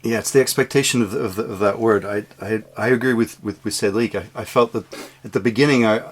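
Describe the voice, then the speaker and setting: A man's voice: on the low side, brisk. A man co-hosting a podcast, discussing music casually in a tentative, diplomatic way. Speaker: podcast co-host reviewer.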